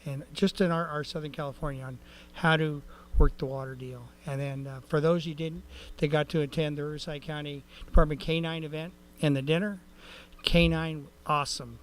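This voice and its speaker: A man's voice: on the high side, steady tone, fairly quick, low-quality recording. A man giving a rambling, folksy report at a city council meeting, with many fillers and restarts. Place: council chamber.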